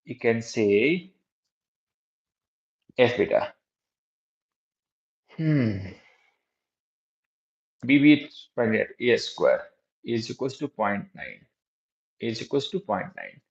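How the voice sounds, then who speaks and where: A male teacher with a South Asian accent works through exam problems aloud. His voice is creaky and his pace unhurried, with halting repeats and small checks to his students. The recording is somewhat muffled and lo-fi. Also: medium pitch, very animated. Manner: halting, repetitive, frequent checking tags addressed to students. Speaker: physics teacher. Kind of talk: live exam-prep lesson, working through problems. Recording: dull lo-fi recording.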